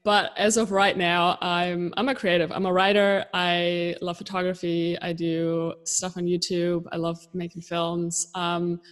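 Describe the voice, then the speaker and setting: A woman's voice: fairly low pitch, flat delivery, a little slow, few pauses, clean tone, long reverb tail. A woman from southern Germany in her thirties, a guest in a casual interview, speaking English with an easygoing, reflective manner and frequent laughter. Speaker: podcast guest. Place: home room, indoors. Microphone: video call with desk microphone.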